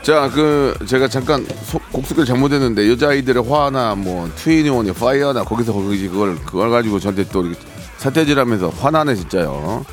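A man's voice: medium pitch, expressive, a little fast, music in the background. A man hosting a live radio show, reading listener stories with playful mock-angry outbursts. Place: radio studio.

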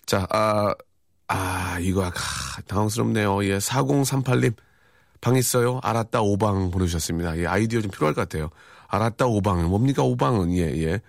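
A man's voice: on the low side, a little fast, creaky, no echo, clean studio sound. A man hosting a radio show in casual chat, reading out listener messages with wry, chatty reactions.

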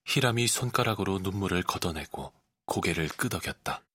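A male voice actor giving scripted audiobook narration with expressive storytelling, recorded close on a studio mic. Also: sits low, a little fast, husky, no echo.

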